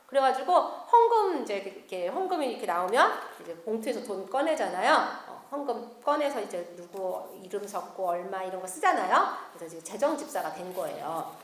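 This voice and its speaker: A woman missionary giving an animated testimony sermon in a church meeting hall, quizzing her audience as she tells her story. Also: medium pitch. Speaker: missionary preacher. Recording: echoey hall.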